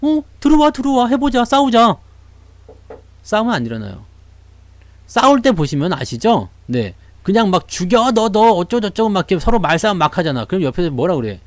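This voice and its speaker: A man's voice: high voice, big pitch swings, brisk, no echo. A man giving casual stock market commentary, blunt and slangy, mocking with rhetorical questions.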